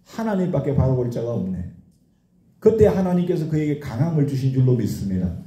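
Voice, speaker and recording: A man's voice: medium pitch, very animated, a little fast, warm tone. A man in his sixties preaching a sermon, repeating key words for emphasis and acting out anguished questions to God. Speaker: pastor. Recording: echoey room.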